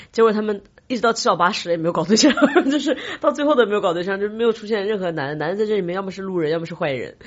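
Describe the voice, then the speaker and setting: A woman co-hosting a podcast, chatting casually and recommending things to her friends in an animated, teasing manner. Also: on the low side, lo-fi sound. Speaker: podcast co-host. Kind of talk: casual chat.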